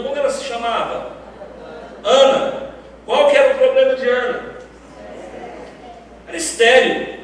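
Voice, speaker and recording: A man's voice: extremely high pitch, slight background noise. A middle-aged man preaching a sermon in a large church, emphatic and full of rhetorical questions. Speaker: pastor. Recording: echoey hall from far off.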